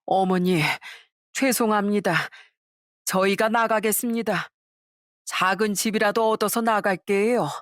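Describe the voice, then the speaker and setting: A woman's voice: medium pitch, steady tone, a little slow, no echo, lightly acted. A woman voicing a stern middle-aged father-in-law who scolds his wife, recorded dry.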